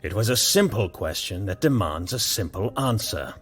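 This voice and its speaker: A man's voice: lowish voice, animated, moderate pace, a bit bright, breathy edge. An actor playing a stern, brusque king who issues orders coldly. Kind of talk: audio drama acting. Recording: music bed behind.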